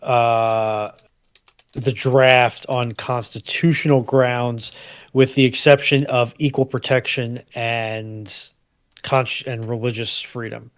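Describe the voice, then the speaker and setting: A man talking as a panelist in a discussion, explaining in a measured, careful way and pausing to qualify what he says. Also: medium pitch, level tone. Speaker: panelist on a live history discussion. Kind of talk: conversational explanation.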